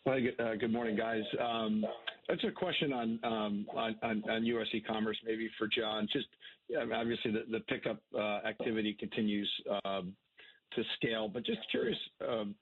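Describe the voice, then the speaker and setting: A husky-voiced man asks a question as an analyst on a conference call. He halts and repeats himself often. His voice comes over a thin, tinny phone line. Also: lowish voice. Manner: halting, repeats words. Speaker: financial analyst caller.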